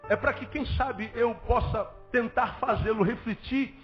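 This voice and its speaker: Very high-voiced Brazilian pastor preaching. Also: male voice, a little slow. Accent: Brazilian Portuguese. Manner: emphatic, rhetorical questions, repetition. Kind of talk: sermon. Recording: dull lo-fi audio with faint music.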